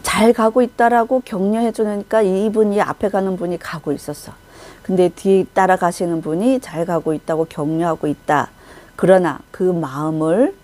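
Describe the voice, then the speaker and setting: A middle-aged woman giving a Christian testimony, vividly recounting a vision and acting out the people in it. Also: on the low side. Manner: vivid storytelling, acting out shouted quotes. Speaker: testimony speaker.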